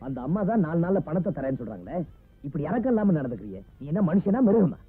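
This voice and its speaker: A man's voice: a little high, big pitch swings, fast talker, husky. An actor playing a stern village man who stands up for a poor mother, warning with firm words. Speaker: film actor. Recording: tinny lo-fi old film sound with music.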